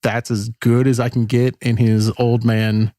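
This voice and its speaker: A man's voice: medium pitch, little pitch movement, a little slow, warm tone, dry recording, studio quality. A man co-hosting a podcast in casual chat, hesitant and full of ums and self-corrections. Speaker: podcast co-host.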